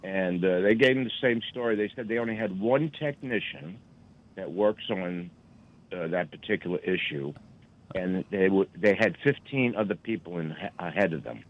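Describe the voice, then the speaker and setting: A man calling in to a radio show who tells his story in a rambling, halting way. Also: low voice, expressive. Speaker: caller. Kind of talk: phone-in chat. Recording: tinny phone line.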